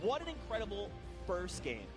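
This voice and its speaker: High-voiced excited male esports caster. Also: normal speed, over music. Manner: excited, rising to shouts at big plays. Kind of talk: live esports play-by-play commentary. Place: live arena event.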